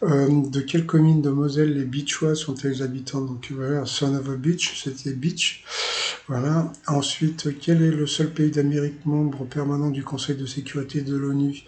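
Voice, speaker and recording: A man's voice: medium pitch, level tone, moderate pace, a little mellow. A man from Paris, hosting his own channel, casually recapping a TV quiz show in a chatty, rambling way full of filler words and amused asides. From Paris, France. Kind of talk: casual spoken recap commentary.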